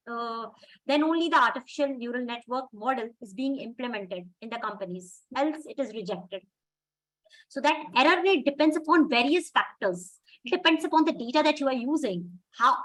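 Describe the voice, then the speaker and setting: A woman's voice: sits high, lively intonation, moderate pace, fairly bright tone, poor audio. A woman lecturer answering a student's question, explaining and repeating her points.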